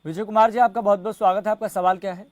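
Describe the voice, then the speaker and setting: A man's voice: high-pitched, steady tone, very fast, highs cut off. A man hosting a health call-in programme, addressing guests and callers formally and politely and prompting them with questions. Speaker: host of a health call-in show.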